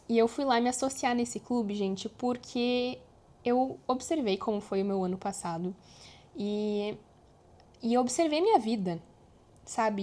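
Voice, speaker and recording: A young woman vlogging, chatting to her viewers in a lively, animated way. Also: mid-range voice. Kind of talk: casual chat to camera.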